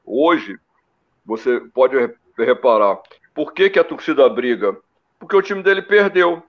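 A man in a casual panel talk, telling animated stories about football and listing old players. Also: mid-range voice, measured pace. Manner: animated storytelling, lists names. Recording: dull lo-fi recording.

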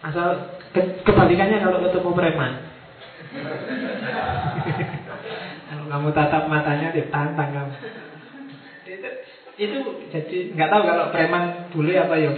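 A man giving a casual, joking lecture to a university class, speaking to the students directly. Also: sits high. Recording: distant mic, tinny, very echoey room.

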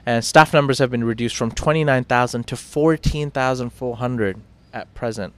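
A man's voice: mid-range voice, moderate pace, fairly bright tone, smooth. Chatty British-accented morning show man. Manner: chatty, self-mocking, with fillers and restarts. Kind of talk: casual news chat.

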